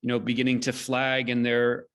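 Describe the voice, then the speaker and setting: A man's voice: medium pitch, monotone, moderate pace, clean tone. A man moderating a thoughtful discussion over a video call. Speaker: moderator and translator.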